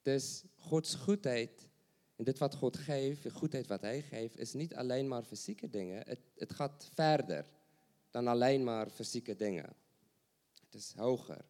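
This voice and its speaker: A man's voice: medium pitch, a little slow, darkish tone. A man preaching a sermon, asking rhetorical questions and repeating phrases for emphasis.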